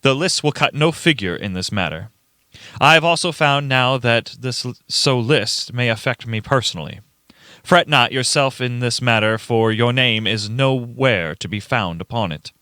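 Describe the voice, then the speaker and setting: A man's voice: medium pitch, normal speed, bright, forceful tone, smooth, dry recording, clean studio sound, close to an everyday voice. A man playing a solemn coroner in a radio play, formal, curt and dismissive.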